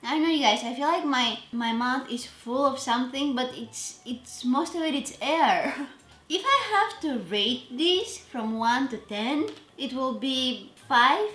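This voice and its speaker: While cooking in her home kitchen for a vlog, a chatty woman makes self-deprecating remarks and lets sentences trail off. She speaks at a measured pace in a high-sitting, expressive, slightly bright voice, and the room is echoey.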